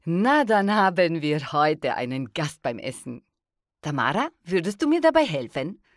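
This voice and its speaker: A woman's voice: low-pitched, very animated, a little slow, no room sound. An actress playing a kindly, inquisitive mother in a German audio drama. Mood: friendly, chatty. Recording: clear background noise with clicks.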